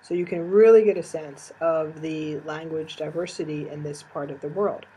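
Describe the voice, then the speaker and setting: A woman's voice: low voice, fairly even intonation, moderate pace, mellow, slightly rough, poor audio. A woman teacher giving a recorded lecture, explaining patiently with frequent fillers.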